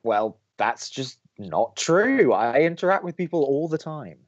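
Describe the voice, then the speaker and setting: A man's voice: medium pitch, sing-song, a little slow, dry recording, dull audio. A man playing an exasperated young college radio DJ, bantering with dry sarcasm and a defensive edge. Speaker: radio host.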